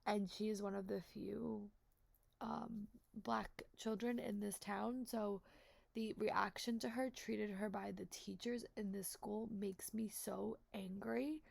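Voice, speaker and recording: A woman's voice: mid-range voice, fairly even intonation, slow pace, vocal fry, a little mellow, no echo. A woman book vlogger with a stuffy cold, chatting casually and repeating words with lots of fillers. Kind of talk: casual chat to camera.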